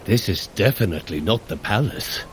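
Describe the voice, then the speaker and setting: A man voicing a big-hearted, earnest thunder god with a mid-pitched, lively voice. He sounds sincere and gentle, worried about others. A light hiss of ambience hangs in the background of this audio drama. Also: brisk, lightly acted. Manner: sincere and good-natured.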